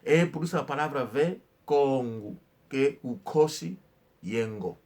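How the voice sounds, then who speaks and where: Homem de fala lenta e enfática. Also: male voice, mid-range voice, lively intonation, darkish tone. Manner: slow, emphatic storytelling with hesitations and repetitions. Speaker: channel host. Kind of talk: informal history talk.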